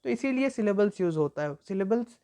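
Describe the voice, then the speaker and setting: A young woman tutor giving an exam-prep lecture, explaining at length with frequent fillers and slowing down to read example sentences aloud. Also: mid-range voice, expressive, mellow. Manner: reads English examples slowly and deliberately. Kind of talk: exam-prep lecture mixing Hindi and English.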